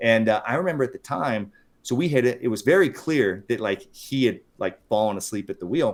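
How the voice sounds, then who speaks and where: With lively intonation and a medium pitch, a man talks at a fairly quick pace. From Southern California, US. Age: 30s. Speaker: author and bitcoin advocate. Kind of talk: interview.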